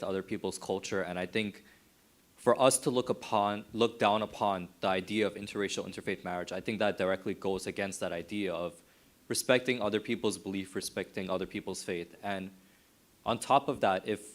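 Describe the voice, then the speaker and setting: A young man with an American accent, a student earnestly giving his opinion at a youth dialogue. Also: lowish voice. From United States. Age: young adult.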